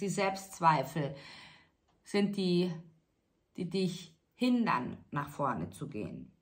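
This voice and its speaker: Slow, bright-voiced woman reading tarot. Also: medium pitch. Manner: slow, soothing, addresses listener directly. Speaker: tarot reader. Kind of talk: spiritual tarot reading monologue.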